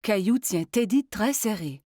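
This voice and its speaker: A woman's voice: mid-range voice, expressive, unhurried, noisy background. A woman reading scripted narration for a children's cartoon story.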